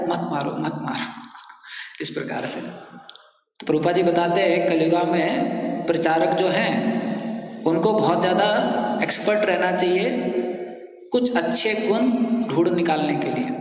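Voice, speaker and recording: High-voiced preacher man in an echoey hall. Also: distant mic, slight background noise. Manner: lively storyteller, acts out dialogue. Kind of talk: devotional storytelling talk.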